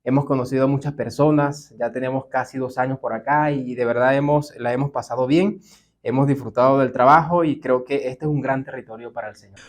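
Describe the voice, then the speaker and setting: A middle-aged man with a Venezuelan accent speaks as the guest on a church podcast. His talk is unhurried and reflective, full of small fillers and tag questions. His pitch sits at an average height for a man. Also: steady tone. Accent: Venezuelan Spanish. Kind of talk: relaxed podcast interview.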